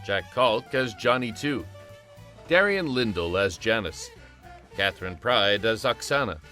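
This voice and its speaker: Man, low forceful voice, credits announcer, scripted audio drama narration, light music behind. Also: lively intonation, unhurried. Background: faint music.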